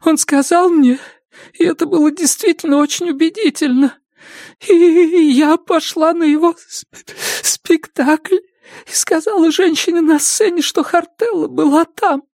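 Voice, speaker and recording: A frightened young woman near tears, her voice high, thin and choked as she pleads and snaps back, as a male audiobook reader puts her on. The sound is dry and close. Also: a little slow, a little mellow, no room sound, heavily acted. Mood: tearful. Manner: sobbing, choked, breathy pleading. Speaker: audiobook narrator voicing a character.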